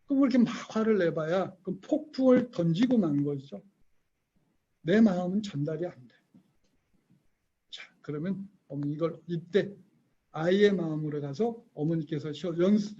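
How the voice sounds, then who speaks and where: Teaching a parenting lecture online, a man speaks at a moderate pace in a fairly high, mellow, husky voice, with the highs cut off. He leans on storytelling, performs quoted voices, and puts questions to the audience.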